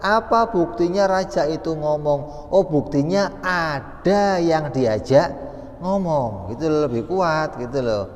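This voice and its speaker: A man's voice: fairly high pitch, expressive, slow, a little mellow, highs cut off. A man giving an Islamic study lecture in a conversational way, asking questions and answering them himself. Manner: conversational, asks and answers his own questions. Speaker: religious teacher. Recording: long reverb in a hall.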